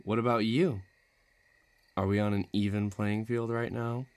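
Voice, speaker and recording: A man's voice: on the low side, level tone, a little slow, a little mellow, clear, resonant tone, no room sound, natural voice. A man playing a menacing, bloodthirsty villain who taunts and threatens in an audio roleplay. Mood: taunting, eager. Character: menacing bloodthirsty male villain craving a duel.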